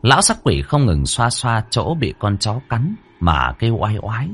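A man narrating a scripted story with dramatic, expressive delivery. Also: on the low side, normal speed, slightly rough.

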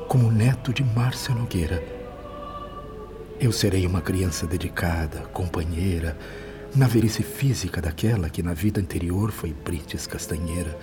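Low male voice, Brazilian accent, repentant benevolent spirit, solemn pleading, radio drama, clear music behind. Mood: tender, sorrowful. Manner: solemn, slow, earnest pleading. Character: penitent, devoted male benefactor spirit seeking rebirth.

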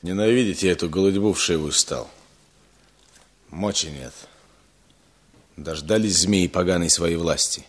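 An actor playing a hard, brooding young peasant husband in a radio play, blunt and threatening in manner. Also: male voice, low-pitched, measured pace, long pauses, a little hiss or hum. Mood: vengeful.

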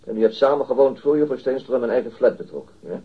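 A police detective in a radio play. His voice is very husky and his delivery quick, formal and coolly insistent as he interrogates. The recording is dull and lo-fi. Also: medium pitch, lively intonation. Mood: formal, probing. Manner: formal, measured politeness, insistent. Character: male police detective inspector, formal, persistent, coolly pressuring. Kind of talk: radio drama dialogue, interrogation.

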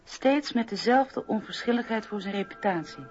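A woman playing a loyal, admiring eighteenth-century friend, reading earnestly and in a measured way in a radio documentary drama. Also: mid-range voice, lively intonation, a little mellow, dull audio, faint music behind, natural voice. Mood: earnest admiration. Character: Amélie Suard, loyal admiring 18th-century female friend.

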